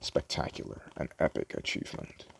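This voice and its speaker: A soft-spoken man doing a casual ASMR roleplay as a store clerk, chatting in a hesitant, rambling way. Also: a little fast, a little hiss or hum.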